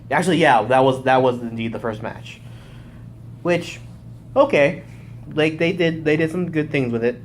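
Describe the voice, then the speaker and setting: A man's voice: medium pitch, a little hiss or hum. Rambling young man recapping wrestling. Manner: rambling, self-correcting, excitable. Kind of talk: casual live recap monologue.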